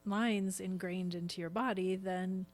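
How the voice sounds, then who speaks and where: Soft music plays in the background as a middle-aged woman, a stage actor, talks as a guest on a podcast interview. Her medium-pitched voice stays steady at a measured pace while she explains things earnestly and conversationally.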